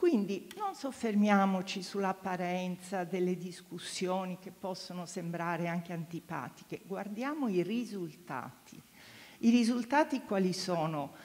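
The woman's loudness swings widely as she talks at a fairly slow pace. Her pitch varies in an ordinary way. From Sardinia, Cagliari. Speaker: university lecturer. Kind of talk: panel answer to student question. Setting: hall with live audience. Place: hall. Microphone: handheld.

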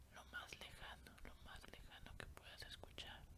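A man talks at a very slow pace. Noticeable noise sits in the background. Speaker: ASMR creator. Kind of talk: guided relaxation meditation for sleep. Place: home room. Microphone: studio mic.

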